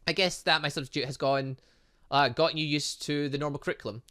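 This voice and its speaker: A man's voice: on the high side, steady tone, fast, sharp tone. A man voicing an eccentric, teasing female science professor who talks in formal, flowery phrases. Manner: flowery, formal phrasing full of odd metaphors.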